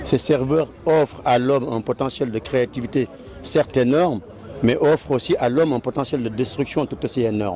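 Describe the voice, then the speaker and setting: There is noticeable background noise as a man speaks at a moderate pace, with medium pitch and ordinary pitch variation. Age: 60s. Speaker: painter presenting his artwork. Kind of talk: interview monologue. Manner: formal.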